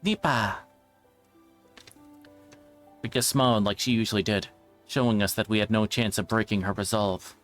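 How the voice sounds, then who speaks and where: A man's voice: lowish voice, fairly even intonation, fairly quick, soft background music. A man reading a visual novel aloud as a livestreamer, now and then stumbling and rereading. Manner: stumbles over words and rereads them.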